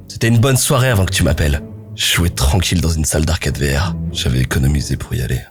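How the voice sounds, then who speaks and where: Man playing a deep-voiced reluctant young sidekick. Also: normal speed. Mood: grumbling, weary. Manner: dry, grumbling. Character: young male sidekick, reluctant, grumbling, squeamish gamer. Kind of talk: visual novel voice acting. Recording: music behind the voice.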